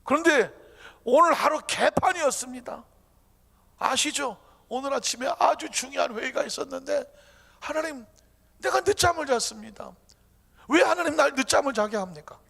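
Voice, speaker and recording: Brief: pastor doing aggrieved complaining man, high and strained, long church reverb. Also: brisk, a bit bright, exaggerated voice. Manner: indignant, whiny protesting. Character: frustrated Christian man complaining to God.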